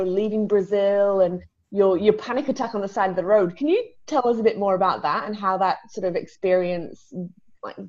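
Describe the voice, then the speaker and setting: A woman's voice: medium pitch, a little mellow, lo-fi sound. A woman hosting a podcast interview, asking her questions hesitantly with many fillers and restarts. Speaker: podcast host.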